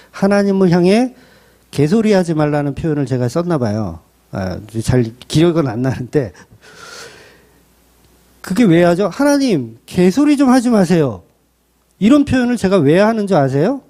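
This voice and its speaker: A man preaching a sermon as pastor, blunt and colloquial, acting out quotes in a lively way. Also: high-pitched.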